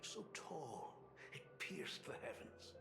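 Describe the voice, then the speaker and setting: An actor playing a solemn, tender middle-aged father, an artist and academy dean in a video game, with a gravelly, breathy, measured and softly spoken voice. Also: lightly acted. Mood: gentle storytelling. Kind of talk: dramatic game voice acting. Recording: slightly reverberant, music underneath. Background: background music.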